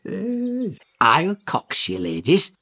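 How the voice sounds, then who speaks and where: Man playing a husky, encouraging rowing cox. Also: sits high, huge pitch swings, slow pace, bright, forceful tone, full character voice. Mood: amused. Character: easygoing, encouraging rowing cox of pensioner crew. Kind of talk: animated comedy character acting.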